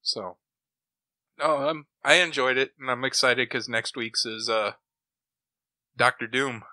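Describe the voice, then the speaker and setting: Guy on a podcast, super bright punchy voice, dry sound, animated and opinionated. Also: mid-range voice, a little slow, dry recording. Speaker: podcast co-host. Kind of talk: casual chat about comic books and old radio shows.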